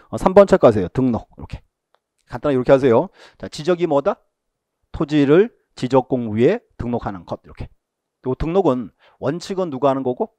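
A man lecturing for an exam-prep course, his pitch rising and falling a lot as he poses questions and answers them. His tone is warm and mellow and a little high for a man. The recording is dry and close, with little room sound. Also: dry recording. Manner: repeats key terms, tells students what to mark.

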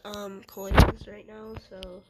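A woman's voice: mid-range voice, level tone, takes it slowly, very noisy. A woman with a stuffy nose giving rambling, hesitant casual gameplay commentary as a gaming channel host. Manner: rambling, hesitant with many ums and restarts.

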